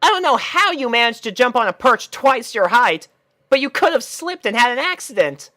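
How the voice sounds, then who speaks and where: A man's voice: extremely high pitch, big pitch swings, normal speed, bright, forceful tone, voice pushed up, exaggerated voice. A man voicing a brash, confident young female cartoon pony who talks in an emphatic, exclamatory way. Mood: scolding.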